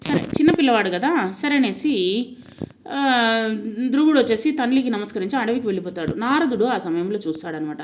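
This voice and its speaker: A woman's voice: fairly high pitch, lively intonation, fairly quick, a little hiss or hum. A woman teacher narrating a story lesson, with explaining asides for her pupils.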